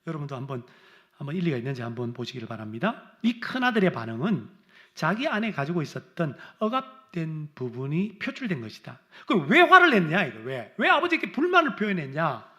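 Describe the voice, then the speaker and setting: A middle-aged man preaching from the pulpit in a high, bright voice. His pitch leaps around constantly as he acts out grumbling characters loudly, then sinks to a low, quiet tone to drive the point home. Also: wildly swooping pitch, fairly quick. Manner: dramatic, acts out complaints in raised voice, then drops low. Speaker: pastor. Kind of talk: sermon.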